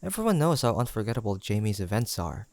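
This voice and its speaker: A man acting an affectionate young best friend in an intimate audio roleplay. His voice sits fairly low and is recorded close and dry. He chats gently and sincerely, with a playful, teasing streak. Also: very animated, quick pace, no echo. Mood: playful, fond. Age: young adult.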